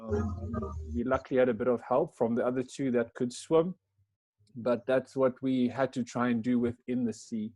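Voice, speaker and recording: A man, a pastor, shares a personal story with a training group, reflective and hesitant, filling pauses with ums. His voice sits mid-pitch and the sound is dry and close. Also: steady tone, mellow, dry recording. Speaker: pastor sharing an experience.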